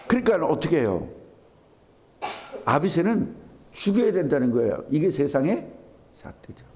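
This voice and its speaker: Animated preaching man, mellow voice. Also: fairly high pitch, slight background noise. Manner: animated preaching, rhetorical questions. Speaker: pastor. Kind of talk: sermon. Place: church sanctuary.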